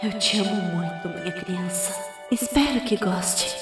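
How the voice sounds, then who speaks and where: A woman playing a gentle, loving woman in a comic dub, speaking with affection. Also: mid-range voice, unhurried, very echoey, distant mic, music in the background, natural voice. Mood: tender. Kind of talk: fan comic dub drama acting.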